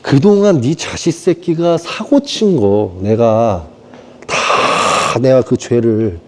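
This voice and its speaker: A man's voice: medium pitch, animated, takes it slowly. A man voicing a stern divine father who scolds in blunt, casual speech.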